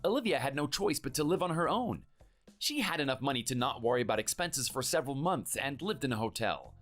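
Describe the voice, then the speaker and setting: A divorced man calmly recounts his ex-wife's downfall in scripted narration, voiced by a man. His mid-range voice rises and falls with lively pitch. Soft music plays underneath. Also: brisk. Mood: satisfied.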